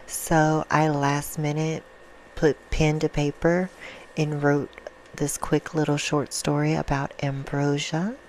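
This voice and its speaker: A soft-spoken woman with a low voice hosts an ASMR video, chatting casually and affectionately with her viewers. Her manner is informal and self-deprecating. The audio is poor, with slight background noise.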